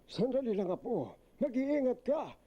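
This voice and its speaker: A man's voice: extremely high pitch, big pitch swings, unhurried, husky, lo-fi sound, voice pushed up, full character voice. A man voicing a protective old grandfather from a cartoon adventure, urgently cautioning his grandchild. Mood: urgent warning.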